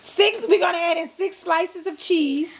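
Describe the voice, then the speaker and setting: A woman speaks with a Southern US accent at a fairly slow pace. Noticeable background noise is present. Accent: country, Southern US-style speech. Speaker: cooking YouTuber. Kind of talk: cooking tutorial. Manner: casual, chatty.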